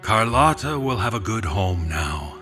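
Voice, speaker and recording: An actor playing a melancholy older puppet maker who speaks slowly and formally in an audio drama. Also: male voice, fairly low pitch, big pitch swings, bright, forceful tone, soft background music, exaggerated voice. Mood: gently coaxing. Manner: slow, deliberate, formal wording. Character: soft-spoken older male puppet maker, courtly and melancholy.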